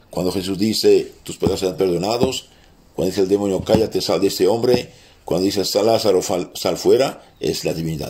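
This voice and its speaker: A man with a French accent teaching a catechism lesson as a priest, halting and restarting often as he quotes scripture aloud. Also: low-pitched, darkish tone.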